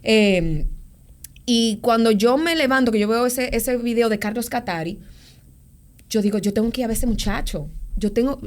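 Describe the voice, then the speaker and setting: A woman, speaking in a fairly high voice. She tells her story of faith as a guest in a casual chat, slangy and animated, often repeating words as she goes. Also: moderate pace. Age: 40s. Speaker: podcast guest.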